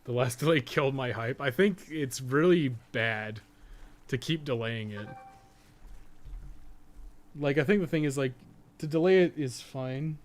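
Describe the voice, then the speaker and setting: Speaking a little slowly with long pauses, this man's animated mid-range voice carries a laid-back livestream chat. He rambles while playing, rewords what he says, drops casual swears and responds to viewers.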